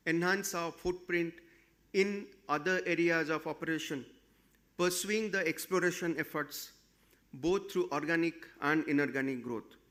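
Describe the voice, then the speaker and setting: Higher-pitched Indian man, formal business address. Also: fairly bright tone. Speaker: company executive presenting annual results. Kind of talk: formal prepared earnings call presentation.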